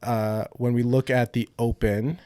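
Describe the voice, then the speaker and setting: A man of ordinary pitch hosts a laid-back podcast chat, talking with easy banter and lots of ums. His voice sounds close and dry, with little room sound. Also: measured pace, smooth, dry recording. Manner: relaxed, joking banter with many fillers. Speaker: podcast host, physical therapist. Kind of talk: casual podcast interview.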